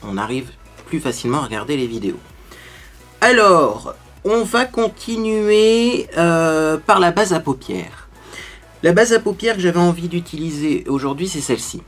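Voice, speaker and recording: A man hosting a makeup tutorial, chatting to viewers as he explains each step. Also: mid-range voice. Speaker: beauty tutorial host. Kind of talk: casual makeup tutorial talk.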